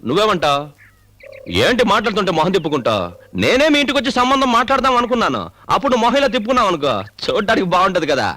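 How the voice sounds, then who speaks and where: A man's voice: sits high, bright, forceful tone, no echo, clean studio sound, exaggerated voice. An actor playing a boastful, pushy village elder arranging his son's marriage in a film comedy. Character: boastful rich village elder, groom's father. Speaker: film character.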